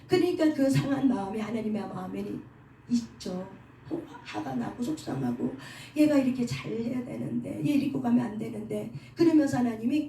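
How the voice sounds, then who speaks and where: In an indoor prayer hall, a middle-aged woman delivers a sermon with a fairly high yet dark-toned voice. Her style relies on rhetorical questions and on getting the congregation to repeat phrases after her. The sound is distant and echoey, with faint noise underneath.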